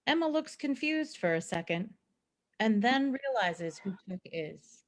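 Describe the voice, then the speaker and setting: A woman's voice: mid-range voice, very animated, a little slow. A woman reading stage directions as scripted narration in a play reading.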